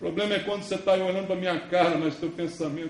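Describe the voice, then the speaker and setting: A man against noticeable background noise and audible room echo. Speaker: pastor. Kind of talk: sermon. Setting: church. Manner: monotone.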